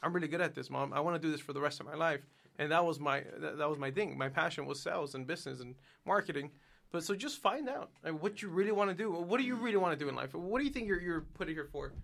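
A man races along at a very fast pace in a fairly high voice with vocal fry. His intonation is lively. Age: 20s. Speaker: podcast co-host, salesman. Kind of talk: casual chat.

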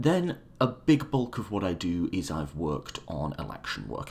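A man talks at a moderate pace with lively intonation. His voice carries vocal fry. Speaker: podcast host. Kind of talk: solo monologue, casual recap. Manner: relaxed, conversational.

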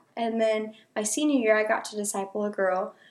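This woman has an ordinary speaking voice, fairly high in pitch, with fairly even intonation at a moderate pace. The recording is very clean, with a silent background. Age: 20s. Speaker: college student. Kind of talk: casual chat.

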